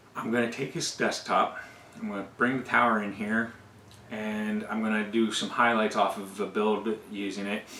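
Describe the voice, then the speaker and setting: A man speaks at a moderate pace with a fairly low pitch and monotone, flat intonation. Audible room echo and noticeable background noise surround him. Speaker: tech YouTuber. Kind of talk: unboxing video. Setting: at home. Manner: lowered voice; casual.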